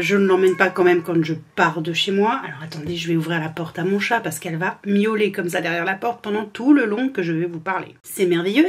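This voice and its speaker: A woman's voice: mid-range voice, a little hiss or hum. A woman from France, a freelance administrative assistant, chatting casually in a vlog from home with a sore throat, hesitant with many fillers and restarts.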